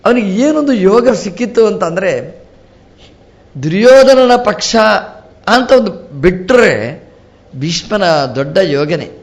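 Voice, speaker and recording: A man, a swamiji, giving a storytelling religious discourse with lively rises and drops and acted-out dialogue. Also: sits high, measured pace, pauses often. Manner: animated, rising and falling sharply, quoting characters in dialogue. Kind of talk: storytelling sermon.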